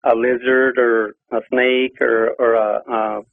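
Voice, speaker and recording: A man calling in to a talk show over the phone, halting and full of fillers and restarts. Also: medium pitch, flat delivery, creaky, no echo. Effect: phoned-in call, heard over the phone line. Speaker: caller. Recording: dull lo-fi phone line.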